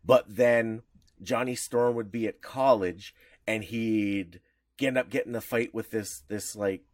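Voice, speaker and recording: A man's voice: fairly low pitch, fairly even intonation, a little slow, no room sound, clean studio sound. A man co-hosting a podcast, explaining at length in casual chat with restarts and short laughs. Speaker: podcast co-host.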